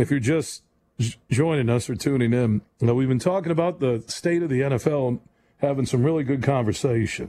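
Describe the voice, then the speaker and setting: A man's dark, mellow, medium-pitched voice at a moderate pace with ordinary pitch variation and very even loudness. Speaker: sports radio host. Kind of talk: sports talk radio. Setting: radio studio. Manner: balanced, not overly animated.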